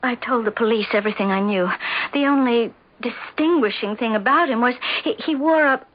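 Woman acting high-voiced, anxious wife in radio drama. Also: lightly acted. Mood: agitated, insistent. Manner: halting, anxious, breathless repetitions. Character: distraught, insistent wife of a missing man. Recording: dull vintage radio recording.

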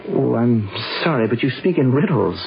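A man's voice: medium pitch, animated, normal speed, vocal fry. An actor playing an ardent, impatient young man in love in a radio drama, insistent and emphatic. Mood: earnest, defiant. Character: ardent young American suitor, stubborn and impatient. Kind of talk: 1970s radio drama acting. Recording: noisy, dull old radio recording.

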